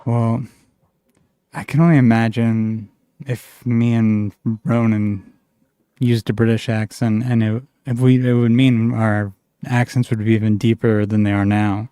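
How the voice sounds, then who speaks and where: A man's voice: lowish voice, little pitch movement, unhurried, dark tone, clear, resonant tone, dry recording, studio quality. A man chatting casually on a stream, teasing the others, laughing often and repeating himself. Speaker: stream guest. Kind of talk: casual chat.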